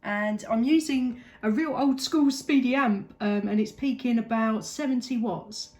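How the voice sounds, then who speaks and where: With a fairly high, slightly mellow voice and a measured pace, a woman from southeast England makes casual conversation on CB radio. Static is clearly audible in the recording.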